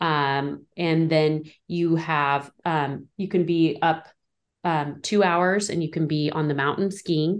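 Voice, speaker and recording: Speaking at a very slow pace, a woman uses a very deep, low pitch and fairly even intonation. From Northern California, Modoc County. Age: 40s. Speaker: outdoor apparel company owner and firearms instructor. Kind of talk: casual interview chat.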